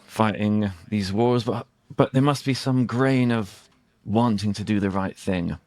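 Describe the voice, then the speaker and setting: A British man, an English teacher, talking casually about current affairs in a searching, halting way with rhetorical questions. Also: fairly low pitch, darkish tone, dry recording. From Britain. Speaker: English teacher and conversation host.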